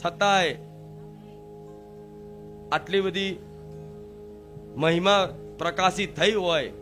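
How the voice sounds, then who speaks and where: Emphatic woman guru preaching a sermon. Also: mid-range voice. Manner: emphatic, rising to shouts, rhetorical questions. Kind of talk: devotional sermon.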